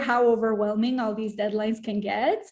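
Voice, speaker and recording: A woman's fairly quick speech with an Albanian accent. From North Macedonia, Struga. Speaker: PhD researcher, school alumna. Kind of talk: interview.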